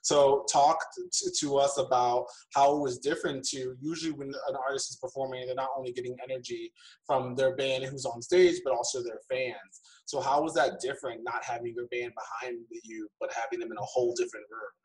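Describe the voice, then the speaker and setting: A man's voice: medium pitch, little pitch movement, brisk, low-quality recording. A man hosting an interview, asking questions conversationally and restarting his sentences. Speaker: interviewer, host.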